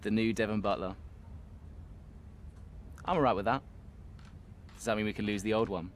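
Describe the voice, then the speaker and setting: A man's voice: on the low side, normal speed, a little hiss or hum, natural voice. An actor playing a young male racing driver, earnest, modest and a little nervous in a game cutscene. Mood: joking. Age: young adult. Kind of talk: video game cutscene acting.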